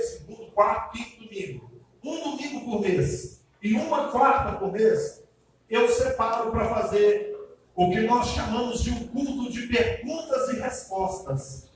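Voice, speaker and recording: A man preaching as pastor, chatty and speaking straight to the congregation with frequent check-in questions. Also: high-pitched. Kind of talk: sermon, question and answer service. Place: church hall. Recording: very echoey church hall, heard from a distance with faint noise.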